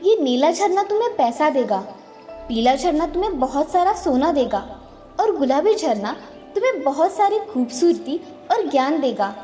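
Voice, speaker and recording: A woman doing a gentle forest fairy. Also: sits high, big pitch swings, moderate pace, soft background music. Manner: gentle, soothing, reassuring. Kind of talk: animated storybook voice acting.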